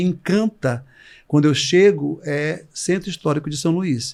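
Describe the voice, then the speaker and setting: A man speaks in an ordinary speaking voice, fairly high-pitched for a man, with ordinary pitch variation on a very clean recording with a silent background. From Brazil, Amapá (Macapá). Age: 60s. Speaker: restaurant entrepreneur. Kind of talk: interview. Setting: studio.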